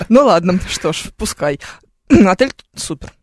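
A woman's voice: on the low side, big pitch swings, measured pace, darkish tone, no echo. A woman co-hosting a radio morning show, telling travel stories in a chatty, ironic way into a studio microphone. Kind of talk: casual on-air chat.

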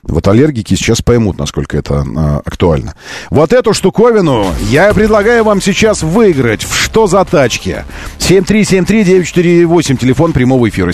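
A man hosting a live radio quiz show, chatting casually in a halting, self-correcting way with playful exasperation. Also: mid-range voice, darkish tone. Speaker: radio host.

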